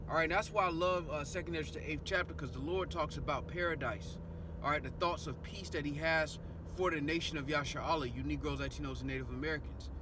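A man talks at a very fast pace. The sound is dry with no echo, though noticeable background noise is present. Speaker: religious commentator. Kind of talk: sermon-like vlog commentary. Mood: earnest, preaching. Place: car. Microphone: phone near.

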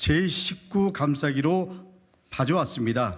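Against a quiet background, a man speaks at a very slow pace. His pitch is fairly high and his intonation lively. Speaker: lawmaker. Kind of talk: press conference statement. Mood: serious, critical. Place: hall.

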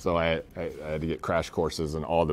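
Over light background noise, a man with a very deep, low voice talks at a fairly quick pace. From US, military family (Kansas, Texas, etc.). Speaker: professor; professor leading discussion. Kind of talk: workshop discussion lecture. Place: meeting room. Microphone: lapel.

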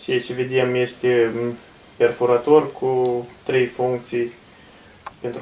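Audible room echo and light background noise surround a man speaking at a medium pitch and a very slow pace. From Moldova, Telenești; Moldova. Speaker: small business owner in construction; narrator showing equipment. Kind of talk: testimonial. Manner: halting, with frequent fillers. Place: home room. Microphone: phone near.

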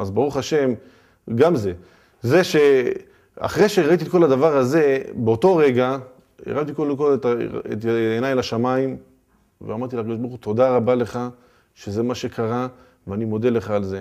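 Over a quiet background, a man at medium pitch speaks at a moderate pace in a dark, mellow tone, with ordinary pitch variation and long, frequent pauses. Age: 40s. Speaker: father recounting a rocket attack; interviewee. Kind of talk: testimony. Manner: halting. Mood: emotional, reflective storytelling. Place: studio.

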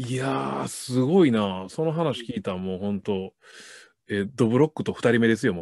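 A man talks at a moderate pace, his pitch swinging very widely. The sound is dry with no echo, with light background noise. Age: 40s. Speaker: comedian and online talk show host; comedian, online talk show host. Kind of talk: casual chat, live-streamed interview; casual interview chat. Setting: video call. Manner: animated, frequent laughter. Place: home room. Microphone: earbuds.

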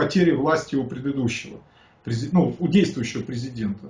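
There is audible room echo around a man whose somewhat breathy voice shows ordinary pitch variation. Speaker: guest. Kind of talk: interview answer. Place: office. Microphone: video call.

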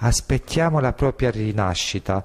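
A man's pitch varies in an ordinary way as he talks at a fairly slow pace, the background quiet. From born in France, back in Abruzzo (Teramo) at seven; Abruzzo, Italy. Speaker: contemporary artist. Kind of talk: interview. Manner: animated. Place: meeting room. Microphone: handheld.

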